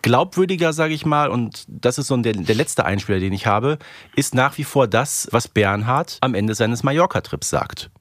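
A man talks casually as a podcast co-host, giving commentary in a chatty, conversational manner and checking for agreement. His voice sits at a middle pitch and the sound is close and dry. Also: lively intonation, normal speed, no echo. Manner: conversational, seeks agreement with tag questions. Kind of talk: casual discussion and commentary on an audio drama series.

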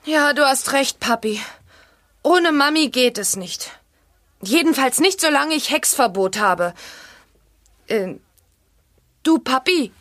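A woman's voice: sits high, animated, slow pace, pauses often, a bit bright, full character voice. A woman playing a sulky, emotional thirteen-year-old witch girl in a children's audio drama. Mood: meek, pleading.

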